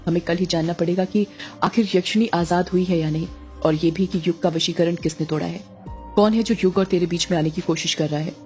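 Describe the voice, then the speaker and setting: Brief: a commanding witch mother for a horror audio story, read by a woman, mellow tone with faint music behind. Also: fairly low pitch, fairly even intonation, a little fast, natural voice. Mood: low scheming. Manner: scolding, commanding. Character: scheming middle-aged witch mother, stern and bossy.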